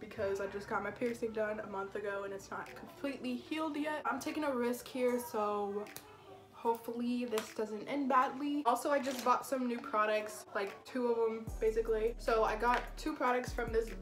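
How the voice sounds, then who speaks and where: A woman talks at a moderate pace in a high pitch with ordinary pitch variation. Light background noise is present. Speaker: beauty vlogger. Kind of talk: casual makeup tutorial chat. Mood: relaxed, excited. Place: home room. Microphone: camera far.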